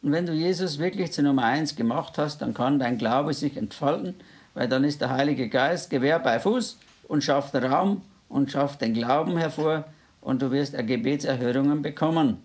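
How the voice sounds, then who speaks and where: Earnest higher-voiced male preacher. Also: normal speed, a little mellow. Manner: earnest, quotes scripture in a raised voice. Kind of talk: sermon.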